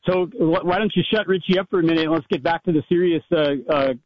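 A man's voice: on the high side, fast, slight background noise. A man hosting a casual talk show, talking over his co-hosts and repeating himself to stall. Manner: talks over others, repeats "wait a minute". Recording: dull lo-fi sound.

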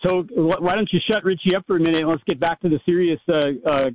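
A man's voice: fairly high pitch, fairly even intonation, quick pace, no room sound. A man calling in to a talk radio show, needling and interrupting, repeating himself in combative casual banter. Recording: dull, dry lo-fi call audio.

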